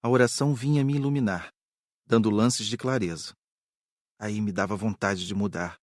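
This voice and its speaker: A man playing a reformed drug addict spirit, confessing his downfall in a measured way for an audiobook. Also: fairly low pitch, dry recording, studio quality, natural voice. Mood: sober, confessional. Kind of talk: dramatized audiobook dialogue.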